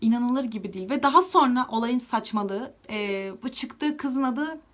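A young woman vlogger telling a story in a chatty, lively way, acting out the dialogue and using many fillers. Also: a little high, moderate pace. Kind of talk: casual storytime vlog.

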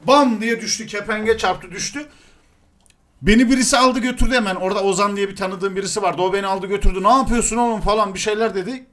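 High-voiced young man telling a story. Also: fast talker. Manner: animated storyteller, crude and joking. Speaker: show host. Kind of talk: casual chat.

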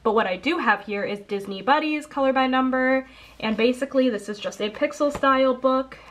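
A young woman with a slightly high voice chats casually through a congested nose. She rambles a bit, dropping ums and correcting herself as she goes. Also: a little fast, a bit bright, a little hiss or hum. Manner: chatty, rambling, frequent ums and self-corrections. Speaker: coloring channel host. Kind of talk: casual haul video chat. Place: indoors at a table.

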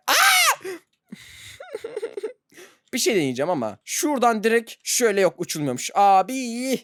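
A man hosting a gaming channel, giving excitable let's-play commentary, laughing often and yelping when surprised. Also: high-pitched, no echo, clean studio sound.

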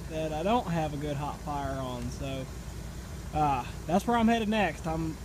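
A man talking casually and plainly, with mild cursing, as he vlogs on a phone outdoors at a work site as an excavator operator. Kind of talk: casual unscripted vlog narration. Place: outdoors at a land-clearing site and in an open excavator cab. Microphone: handheld phone. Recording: loud engine and outdoor machinery noise. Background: vehicle engine rumble and outdoor noise.

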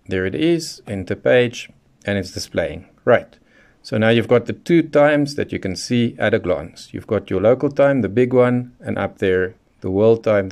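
A man's voice: lowish voice, a little mellow. A man presenting a hands-on product tutorial, explaining things methodically, step by step. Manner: methodical, instructional. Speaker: presenter of a radio how-to guide.

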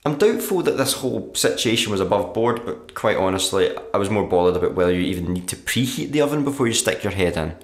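A man playing a sullen, sardonic writer narrating his diary in a black comedy radio play, dry and deadpan. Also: fairly low pitch, fast, few pauses. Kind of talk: dramatic monologue, diary narration in a black comedy audio drama. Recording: roomy echo with background noise.

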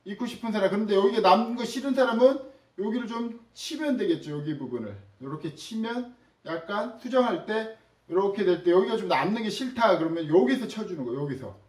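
A man's voice: high voice, animated, brisk, echoey room, recorded from a distance, low-quality recording. A man teaching a casual sewing tutorial, chatty and demonstrative, talking straight to his viewers as he works. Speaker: sewing instructor.

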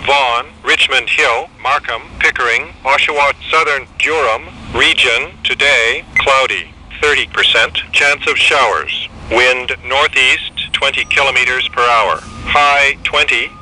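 A computer-generated man's voice, mid-range, bright, and forceful, delivers an automated weather forecast piece by piece, unhurried and with hardly any pauses. It plays through a small handheld radio speaker and is captured by a camera near it, making for a low-quality recording with slight background noise.

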